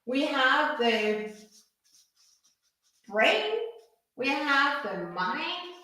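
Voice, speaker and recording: Woman, unhurried delivery, slightly raised pitch, earnest coaching talk. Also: very animated, sharp tone. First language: Danish. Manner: earnest, repeats and restarts phrases. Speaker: business coach. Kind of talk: live workshop talk.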